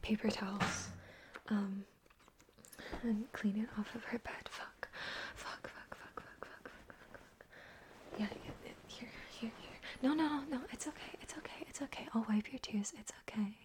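A woman's voice: a little high, moderate pace, natural voice. A woman whispering as an anxious, apologetic young woman. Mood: hushed, soothing. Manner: hushed whispering, repetitive soothing. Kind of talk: whispered audio roleplay.

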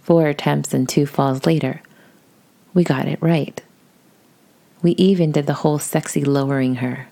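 A woman with a raspy voice, reading a post aloud in a soft, casual whisper. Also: sits low, fairly even intonation, normal speed, pauses often. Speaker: audio creator reading posts.

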